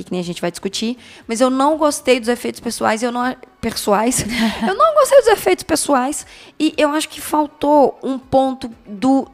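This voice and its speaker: Woman, slightly high voice, animated film chat, quick self-corrections. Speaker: film reviewer. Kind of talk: casual movie review chat.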